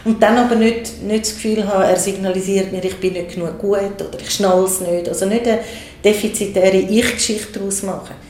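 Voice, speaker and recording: Mellow Swiss German woman, echoey room. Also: medium pitch, brisk, a little hiss or hum. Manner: calm, explanatory, acts out soothing words to a baby. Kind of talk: casual conversation.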